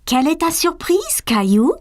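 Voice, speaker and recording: A woman playing a patient young mother in a dubbed cartoon, speaking gently and encouragingly. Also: extremely high pitch, huge pitch swings, normal speed, exaggerated voice. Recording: cartoon soundtrack with music beneath.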